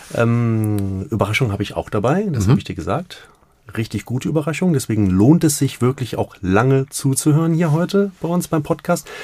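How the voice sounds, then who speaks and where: A man's dark, mellow voice at a fairly quick pace, with very wide pitch swings. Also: medium pitch for a man. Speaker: podcast host. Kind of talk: casual interview. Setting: studio.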